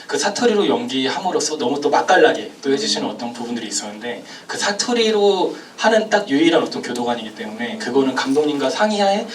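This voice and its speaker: A man's voice: medium pitch, very animated, fast talker, few pauses, distant mic. A man moderating a film Q&A, asking polite, long, winding questions. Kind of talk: hosting a post-screening talk. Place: cinema auditorium. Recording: echoey cinema, from afar, faint hum.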